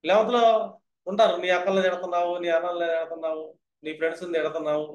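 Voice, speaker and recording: A man's voice: high voice, steady tone, racing, reverberant. A man teaching astrology in a lecture style, who keeps asking his listeners whether they have understood.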